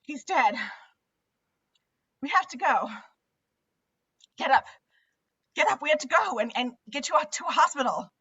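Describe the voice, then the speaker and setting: An actress reads as a young horror-movie daughter, fiercely emotional and pleading. Her high voice is bright and urgent, tripping over repeated words. The sound is dry and slightly dull, like a video call. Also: animated, measured pace, long pauses, no echo. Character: Max, desperate young woman pleading with her dying mother, fiercely emotional. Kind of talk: table read acting of a horror film script.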